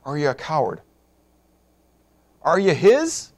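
A middle-aged male pastor preaching a sermon in a lively, high-pitched voice. He talks to the congregation like a conversation, full of rhetorical questions. He drops to hushed asides, then builds to emphatic points. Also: slow.

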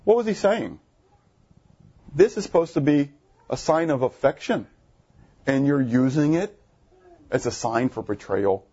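A man preaching a sermon to his congregation, animated, asking the room questions, with jumps in pitch when he gets excited. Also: a little slow, long pauses, slightly rough, dull audio. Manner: jumpy pitch, bursts high when excited. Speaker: pastor. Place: church assembly room.

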